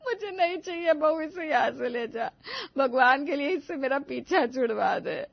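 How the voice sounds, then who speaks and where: A woman voicing a dramatic, complaining elderly mother-in-law in an animated story, wailing and melodramatic. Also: sits high, normal speed, gravelly, dry recording, dull audio.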